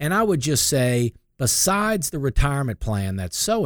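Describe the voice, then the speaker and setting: A man speaks in a normal speaking voice with ordinary pitch variation. The recording is very clean, with a silent background and dry, close sound with no echo. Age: 50s. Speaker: financial advisor and radio show host. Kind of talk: casual radio chat about finance. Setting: radio studio.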